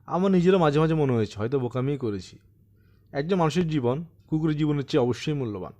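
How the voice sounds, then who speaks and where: A man's voice: on the high side, animated, fast, warm tone, lightly acted. Man voicing a troubled, earnest man of sixty-seven. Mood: rueful, matter-of-fact. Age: 60s. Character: troubled 67-year-old man recounting his eerie haunting. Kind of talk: dramatised audiobook storytelling.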